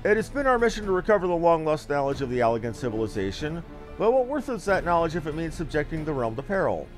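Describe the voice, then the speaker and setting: Man as an eloquent, animated fantasy scholar. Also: a little high, fast, faint music behind. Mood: earnest, commanding. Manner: formal, declamatory. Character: earnest scholarly expedition leader, eloquent and dutiful. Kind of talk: fantasy game dialogue read aloud.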